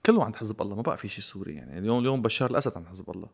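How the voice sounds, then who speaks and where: A man with a Lebanese Arabic accent, talking politics in a casual, sarcastic, animated way and slipping into English phrases. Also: on the low side, very fast, gravelly, husky. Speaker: guest commentator.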